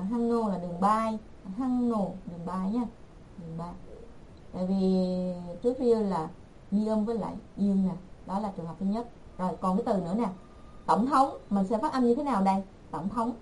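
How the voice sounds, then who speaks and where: A woman teaching an online language class, repeating words slowly and patiently for her learners. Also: mid-range voice, a little mellow, slight background noise, poor audio.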